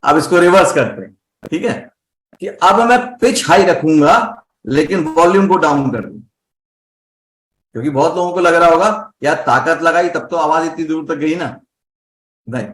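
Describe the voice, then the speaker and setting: A man teaching a live voice class, explaining breathing, volume and pitch with everyday examples and often checking whether students follow. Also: normal speed, fairly bright tone. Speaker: voice coach.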